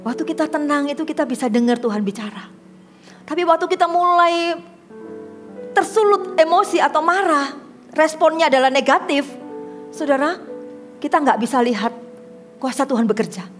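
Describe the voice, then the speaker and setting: High-voiced woman pastor telling stories. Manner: lively storyteller acting out quoted dialogue. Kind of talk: sermon with storytelling.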